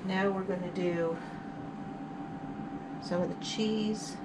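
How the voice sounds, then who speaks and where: A woman's voice: medium pitch, fairly even intonation, slow, heavy background noise. A middle-aged woman hosting her cooking channel, chatting through each step as she cooks in her home kitchen. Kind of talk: casual cook-along narration.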